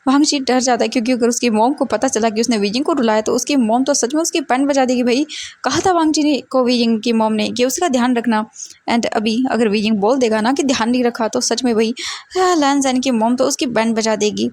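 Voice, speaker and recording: A woman's voice: fairly high pitch, brisk, darkish tone. A woman retelling a fanfiction story in a chatty, casual way, dropping in English words.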